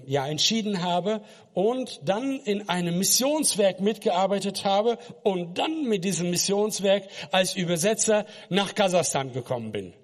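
A man's voice: sits high, long reverb tail. A man from Kazakhstan, a missionary preacher, giving an earnest personal faith testimony and speaking directly to the listener.

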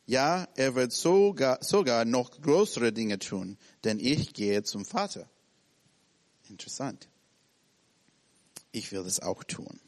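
Animated preacher man in a reverberant hall. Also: mid-range voice, slow, pauses often. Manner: animated, acts out scenes in short broken phrases. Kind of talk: sermon.

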